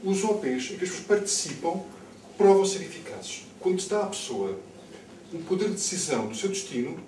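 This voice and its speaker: A middle-aged man with a Lisbon accent speaks quickly and a little high, pressing his political points with emphatic repetition. He is picked up by a distant camera microphone in a room, with clear noise behind him. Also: very animated, a little mellow. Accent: Lisbon Portuguese. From Lisbon, Portugal. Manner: emphatic, repeats words as he builds points. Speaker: candidate speaking on a panel. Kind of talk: extemporaneous political talk at a public debate. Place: bookshop-like indoor room with seated audience. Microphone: far camera. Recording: distant camera mic, echoey, noisy room.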